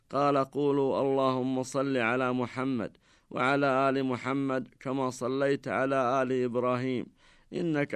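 رجل يقرأ درسًا فقهيًا بصوت صافٍ في استوديو جاف. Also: male voice, medium pitch, clean tone, no room sound. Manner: measured, formal recitation of texts. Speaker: Islamic scholar presenting a jurisprudence program. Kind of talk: reading a religious lesson on radio. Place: radio studio.

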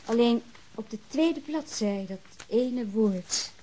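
An actress playing a grieving, lonely young woman in a radio crime drama, speaking in a wistful, halting way with a husky voice. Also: fairly high pitch, animated, dark tone. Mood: wistful recollection. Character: grieving, lonely young woman left alone by her partner.

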